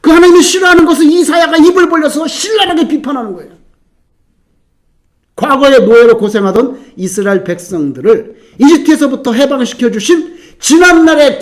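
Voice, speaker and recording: Middle-aged man, Korean pastor, sermon; high voice, very lively pitch, shifts between hushed asides and booming emphasis. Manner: animated preaching, swings from soft asides to loud emphatic outbursts.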